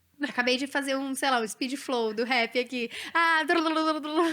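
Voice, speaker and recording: A woman speaks in a high, raised, projected voice. Her tone is bright and sharp. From São Paulo state, Brazil (São Bernardo). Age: 20s. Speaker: pedagogue. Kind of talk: podcast interview. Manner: fast; animated.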